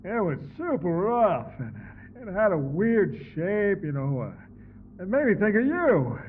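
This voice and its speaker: An actor playing an awkward, lovestruck, simple wanderer in a comedy audio drama, halting and bashful as he rambles. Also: high voice, sing-song, phone-quality sound, a little hiss or hum, exaggerated voice. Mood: bashful, smitten. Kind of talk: post-apocalyptic comedy audio drama acting.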